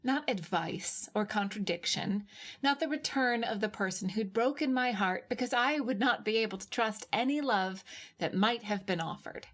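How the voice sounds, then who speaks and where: A woman narrating a first-person literary short story in a measured, expressive way with deliberate pauses. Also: medium pitch.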